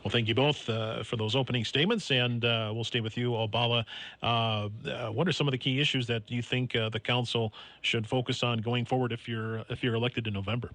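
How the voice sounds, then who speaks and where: A man's voice: mid-range voice, fairly even intonation, a little fast, fairly bright tone, no room sound. A man hosting and moderating a candidate forum on AM radio, friendly and full of fillers.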